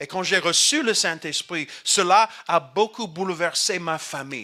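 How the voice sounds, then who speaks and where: A man's raised, projected voice, bright and sharp in tone, with ordinary pitch variation. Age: 40s. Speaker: pastor. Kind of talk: sermon.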